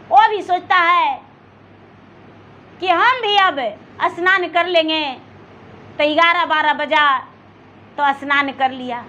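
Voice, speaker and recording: A woman's voice: extremely high pitch, bright, forceful tone. A woman with a Bihari accent narrating a devotional folk tale as a storyteller, addressing her listeners, on a dull home recording. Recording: dull home recording, faint background noise.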